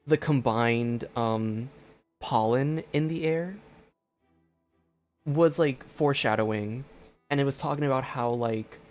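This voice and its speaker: A man streams a video game with casual running commentary. His mid-pitched voice is excitable and rambling, and music plays in the background.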